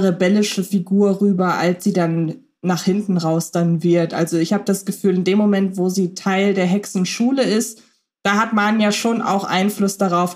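A podcast co-host with a medium-pitched, darkish voice talks through her thoughts in a casual, analytical chat. She frequently hesitates and uses filler sounds.

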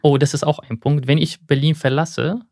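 A man's voice: a little high, fairly even intonation, normal speed, creaky, darkish tone, no echo, clean studio sound. A young man from Syria, born to another language and speaking, answering interview questions thoughtfully and sometimes searching for words. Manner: thoughtful, searching for words, some slips in German. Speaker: guest.

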